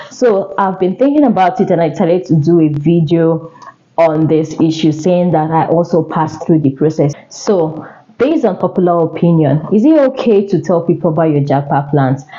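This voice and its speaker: Over noticeable background noise, a woman with a fairly low pitch talks at a moderate pace, her loudness very even and her pitch variation ordinary. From Nigeria. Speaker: YouTuber. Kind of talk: vlog talk to camera.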